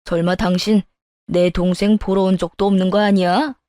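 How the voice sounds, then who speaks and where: A stern older father-in-law berates his wife in a dry, close voice, voiced by a woman. He lectures with indignation in a middle pitch, like a scripted storybook drama. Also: level tone, moderate pace, warm tone, no room sound, close to an everyday voice. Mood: furious. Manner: scolding, indignant.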